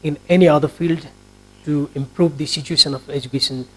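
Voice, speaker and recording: A man's voice: on the high side, fairly even intonation, fairly quick, bright, forceful tone, husky, low-quality recording. A man from Nepal with a Nepali accent, politely putting long, wordy questions as a television interviewer. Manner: polite, wordy questions with frequent filler phrases. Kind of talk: formal broadcast interview.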